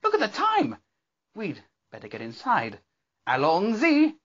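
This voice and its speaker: Cartoon male pony scientist, played by a voice performer: eccentric, exclamatory, genteel, very animated pitch, somewhat muffled sound. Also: a little slow, exaggerated voice. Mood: alarmed. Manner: theatrical, exclamatory, wordy and genteel. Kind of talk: character voice reel, theatrical cartoon acting.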